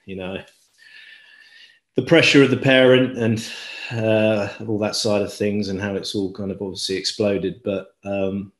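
A man in his forties talking reflectively and haltingly as an interview guest, repeating phrases for emphasis. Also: lowish voice, fairly even intonation. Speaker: interview guest, squash coach. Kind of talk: conversational interview. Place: indoor room at home, on a video call. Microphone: video call. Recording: roomy, echoey video call.

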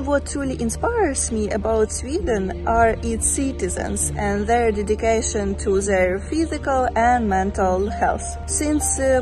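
A young woman from Ukraine speaking slowly and thoughtfully with many pauses, filmed outdoors on a lawn. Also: on the high side, rough recording. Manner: slow, thoughtful, frequent "uh" pauses. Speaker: interviewee, expat.

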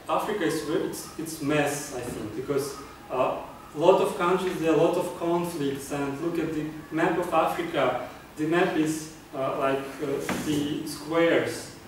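This man from Kazakhstan speaks on the high side against slight background noise. In an earnest prepared club speech, he keeps restarting phrases with filler words. The far-off camera mic captures a meeting room full of echo.

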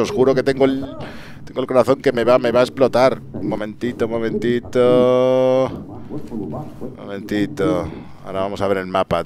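A young man from Spain commentating his live gameplay, excitable and swearing, talking to viewers and to the game. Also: on the low side. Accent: Spain Spanish. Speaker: gaming streamer. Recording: loud background game noise.

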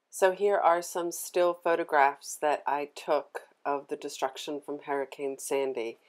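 A middle-aged woman with a Philadelphia American accent, chattily explaining things as she gives an informal studio tour. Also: low-pitched. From Philadelphia, United States. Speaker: artist and studio tour host.

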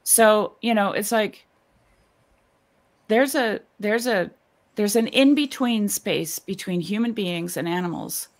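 A woman with a medium-pitched voice talks casually on a video call. She is earnest and tells things in short, emphatic phrases, checking that she is followed. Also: slow pace. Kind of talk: casual personal storytelling and discussion.

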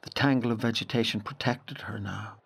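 A man with a Northern Irish accent playing a reflective storyteller, narrating a literary audio drama in a measured, deliberate way. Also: fairly low pitch, steady tone, gravelly, a bit bright, breathy edge, full character voice. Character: reflective male storyteller recalling a boy's rural Irish childhood.

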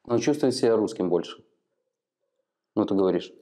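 In a small indoor office, a man in his thirties wearing a clip-on lapel mic conducts an interview, probing with long explanations. A native Ukrainian speaker, he has a fairly low, warm, expressive voice and a moderate pace.

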